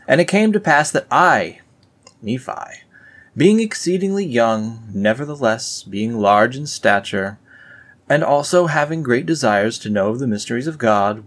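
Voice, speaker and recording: A young man reading scripture aloud in a lifted, formal tone, breaking off into dry, mocking asides and rambling commentary. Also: fairly low pitch. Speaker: reader and commentator.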